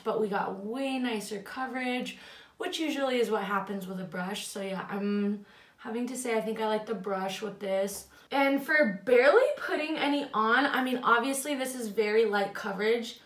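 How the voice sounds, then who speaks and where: A woman in her twenties reviewing makeup in a casual, chatty way at home, her voice slightly raspy from the morning. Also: fairly high pitch, a bit bright, roomy sound, distant mic. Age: 20s. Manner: chatty, filler-heavy, self-deprecating. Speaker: beauty vlogger.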